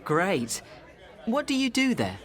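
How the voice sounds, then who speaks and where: A friendly adult man, as a man puts him on, asking questions slowly and clearly. His pitch rises and falls very widely, and each question drops at the end. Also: huge pitch swings, a bit bright, some chatter behind, exaggerated voice. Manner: slow, clear questions with falling intonation.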